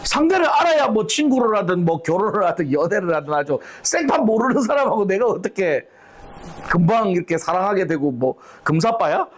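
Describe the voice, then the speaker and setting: Guy teaching bible study, super animated, acts stuff out, bit high voice. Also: brisk. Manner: animated, asks rhetorical questions, acts out examples. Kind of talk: church Bible study lesson.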